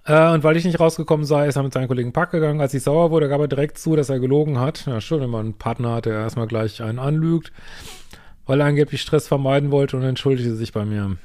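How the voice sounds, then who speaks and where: A middle-aged German man reads a listener's email aloud and breaks off into dry, sarcastic asides. His voice sits at an everyday middle pitch, and he talks in a loose, casual way. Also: fast, darkish tone. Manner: sarcastic, exasperated asides with frequent "ey". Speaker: couples therapist and podcast host. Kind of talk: reading a viewer's email aloud with commentary.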